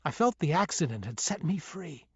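A man narrating a memoir audiobook in a measured, sombre first-person reading. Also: fairly high pitch, very animated, breathy edge, dry recording, lo-fi sound.

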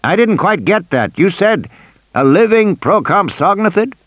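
A man's voice: high voice, big pitch swings, unhurried, fairly bright tone, no echo, pitched above the performer's own voice, heavily acted. A man doing a cheery, pushy old tycoon. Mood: wary. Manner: insistent, persuasive, coaxing.

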